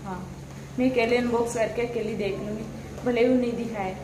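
A woman's voice: fairly high pitch, fairly even intonation, brisk, echoey room, noisy background. A young woman chatting casually to her viewers in a home vlog. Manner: chatty, addresses viewers as guys. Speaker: vlogger. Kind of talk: casual vlog talk to camera.

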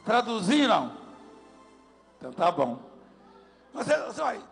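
Male pastor, high voice, playful interviewer, large reverberant church. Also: sing-song, creaky. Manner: teasing, folksy, fast back-and-forth. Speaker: pastor leading a service. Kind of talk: joking church testimony interview. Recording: long hall reverb with music.

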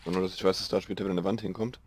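A young man with a slightly hoarse voice, rambling casually through gameplay commentary and mocking himself as he goes. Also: deep voice, steady tone, very fast. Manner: rambling, self-mocking, thinking aloud. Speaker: let's play host.

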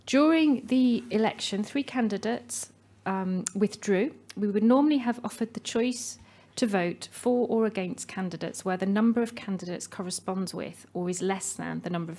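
A woman at a podium reading out election results in a measured, formal way. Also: mid-range voice, warm tone. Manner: measured, reading names slowly. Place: meeting hall. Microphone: podium microphone.

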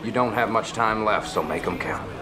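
An actor playing a businesslike military officer in a game briefing, urgent, colloquial and no-nonsense. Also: male voice, fairly low pitch, normal speed, a crowd in the background, close to an everyday voice. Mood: brisk urgency. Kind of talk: acted video game cutscene briefing. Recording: music behind the voice.

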